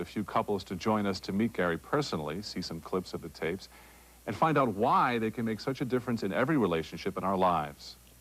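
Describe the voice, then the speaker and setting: Talking at a very fast pace, a man uses lively intonation. His pitch sits fairly low. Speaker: TV host. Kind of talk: infomercial host read.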